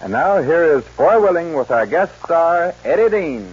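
Male old-time radio show announcer, highish and lively, lo-fi vintage sound. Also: normal speed. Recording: dull lo-fi vintage radio, music behind.

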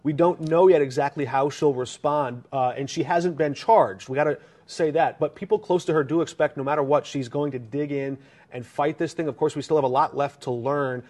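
A male reporter briefing a news anchor in a steady, informative manner. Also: fairly high pitch, normal speed.

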